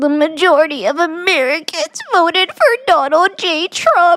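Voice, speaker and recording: Using a put-on character voice, a woman speaks in a whiny tone, drawn out and whiny throughout. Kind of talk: mocking, sarcastic.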